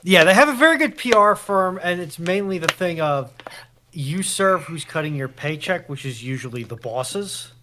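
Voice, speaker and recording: A man's voice: on the high side, expressive, normal speed, sharp tone, a little hiss or hum. A man speaking as a panelist in an informal discussion, adding comments and clarifications.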